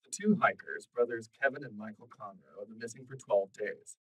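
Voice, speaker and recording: An actor playing a male TV news reporter who delivers a report in a slow, solemn, formal manner, with a husky voice. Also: lowish voice, pushed and bright, no echo, poor audio. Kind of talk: broadcast news report within a drama.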